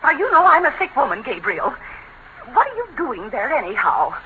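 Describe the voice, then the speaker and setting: An actress playing a frail, nagging invalid wife in a 1940s radio drama, whining and pleading. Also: female voice, sits high, huge pitch swings, moderate pace. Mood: complaining. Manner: whining, pleading, then terrified screaming. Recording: dull old radio recording with hiss.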